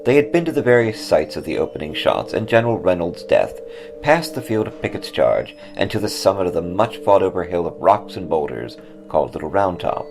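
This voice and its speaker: Deep, gravelly man narrating a ghost story. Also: very animated, fairly quick, music in the background. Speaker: author reading a ghost story. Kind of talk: dramatic scripted story narration.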